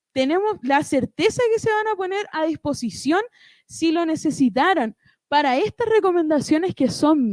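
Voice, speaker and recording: High-voiced woman giving a church workshop. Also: a little mellow, no echo, studio quality. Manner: explanatory, checks in with frequent tag questions. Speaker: church ministry presenter. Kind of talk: instructive church workshop talk.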